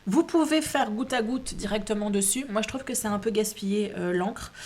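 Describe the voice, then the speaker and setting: A woman's voice: mid-range voice, normal speed, darkish tone. A woman hosting a casual craft tutorial at home, chatty, with many hesitations and restarts. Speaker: craft video host.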